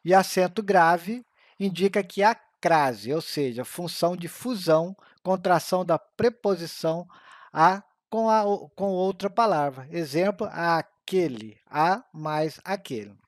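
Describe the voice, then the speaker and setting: A man reads an exam-prep grammar lesson, slowing down carefully over the examples. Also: high-pitched, no room sound, clean studio sound. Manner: slow, careful reading of examples.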